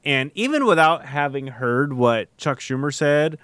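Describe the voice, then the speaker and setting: A man's voice: a little high, lively intonation, unhurried, a bit bright, no room sound. A man co-hosting a podcast, telling stories in casual chat with many fillers and restarts. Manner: storytelling with many fillers and restarts, laughs along. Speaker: podcast co-host.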